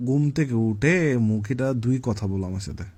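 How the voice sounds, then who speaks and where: An actor playing a pushy young boyfriend who nags and teases insistently in a comedic phone-call sketch. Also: male voice, medium pitch, a little fast, warm tone, husky, lightly acted. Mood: nagging. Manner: insistent, needling, teasing.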